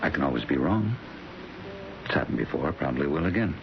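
An actor playing a grave, steady doctor, terse and measured, in a 1970s radio drama. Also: male voice, a bass voice, gravelly, a crowd in the background, heavily acted. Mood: grave, resigned. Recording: dull old radio drama recording.

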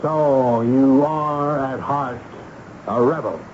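An actor playing a stern, commanding army commander questioning subordinates with clipped authority in a 1970s radio drama. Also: male voice, medium pitch, takes it slowly, a little mellow, close to an everyday voice. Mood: controlled, insistent. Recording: muffled, noisy 1970s radio broadcast.

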